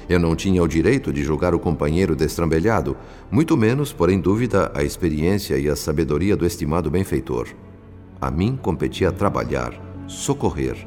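An actor playing a grave, compassionate spirit narrator, telling a radio drama in a solemn, literary manner. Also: male voice, low voice, a little mellow. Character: grave, compassionate male spirit narrator recounting his work.

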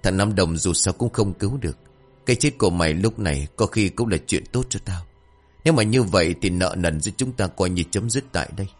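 A man voicing a cold, selfish young man privately turning on his dead friend, in a low voice. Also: fairly quick, soft background music.

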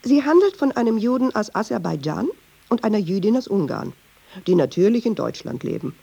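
Ironic jewish lady storyteller for radio drama, mellow but swoopy delivery, rambling and insistent, slightly dull sound. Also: mid-range voice, sing-song, a little fast, creaky, husky, heavily acted. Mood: ironic, musing. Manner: wry, digressive, insistent storytelling. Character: chatty, ironic Jewish woman storyteller, restless and digressive. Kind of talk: radio drama monologue in dialogue.

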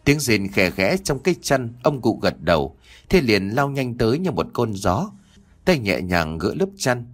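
A man reading a horror story aloud as a scripted narration, with a dramatic, expressive delivery. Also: mid-range voice, unhurried.

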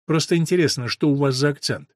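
A man voicing Elena, a sharp, ironic woman who answers with dry skepticism. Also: on the high side, fast, dry recording, natural voice. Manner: wry, skeptical questions.

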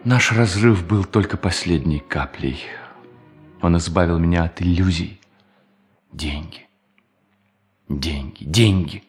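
An actor playing a bitter, lonely bank thief in hiding, in a theatrical radio play monologue that moves between muttering and solemn declamation. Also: male voice, low-pitched, slow, long pauses, faint music behind. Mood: bitter, agitated. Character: brooding fugitive bank thief, bitter, lonely, self-tormenting man.

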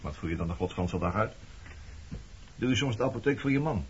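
A man's voice: fairly low pitch, animated, brisk, natural voice. An actor playing a blunt, nonchalant sailor in his late thirties in a Dutch radio play. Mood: probing. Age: late 30s. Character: weathered roaming sailor nearing forty, blunt, nosy, nonchalant old flame. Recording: dull lo-fi radio recording, clear noise.

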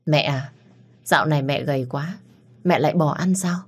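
A reserved young groom in a storybook tale, quiet and calm, read by a woman. The voice stays low and even. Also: moderate pace, husky. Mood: tender. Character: young man, cold groom, gentle with mother.

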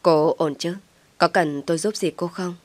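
A kind, steady young man, as a woman narrator plays him, speaking calmly with a touch of teasing. The voice sits low for a woman and is recorded dry and close. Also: moderate pace, no room sound, natural voice. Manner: calm reassuring, a little teasing.

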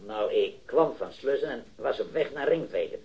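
In 1970s-style radio drama acting, a man voices an eager eyewitness to a robbery: a hesitant metal worker in his early thirties. His mid-range, expressive voice, close to everyday speech, comes through lo-fi sound, halting and stammering, repeating words in an unsure, rambling way.

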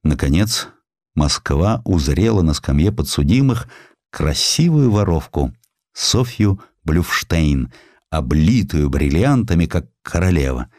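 Male narrator for historical audiobook: very low register, highly varied intonation, emphatic deliberate phrasing, dry studio recording. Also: sing-song, darkish tone, no room sound. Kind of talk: expressive scripted narration of historical sketches.

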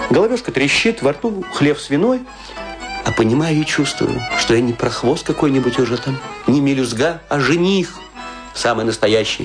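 Tipsy middle-aged has-been actor guy, rambling and rueful, voice swoops all over, radio play monologue w faint music. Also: mid-range voice. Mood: comic lament. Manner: rambling confessional, swinging between lament and mock pride. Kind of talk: theatrical comic monologue, radio play acting.

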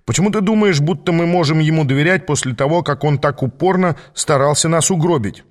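A man's voice: a little high, fairly quick, lightly acted. A man voicing a young, eager male apprentice who speaks indignantly. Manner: indignant, questioning.

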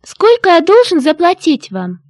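A woman reading short translated phrases clearly and evenly in a language course. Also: very high voice, wildly swooping pitch, moderate pace, no room sound, studio quality. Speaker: Russian translation reader.

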